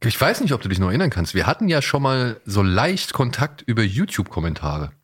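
A man hosting a casual podcast, talking in a halting, colloquial way. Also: fairly low pitch, big pitch swings, breathy edge. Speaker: podcast host.

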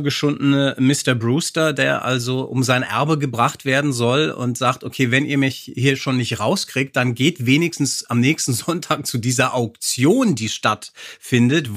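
A man's voice: medium pitch, a bit bright, dry recording, clean studio sound. A man co-hosting a podcast, chatting and recapping in an informal, appreciative way. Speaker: podcast co-host. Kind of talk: casual review chat with recapping.

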